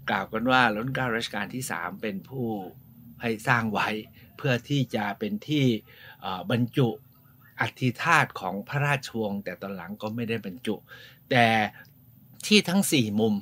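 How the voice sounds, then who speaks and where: A man hosting a tour, telling stories in a lively, polite, informal way outdoors. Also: mid-range voice, a little hiss or hum. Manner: lively storyteller, polite, often adds polite particles. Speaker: host and tour guide. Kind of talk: informal guided-tour storytelling. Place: outdoors at a temple.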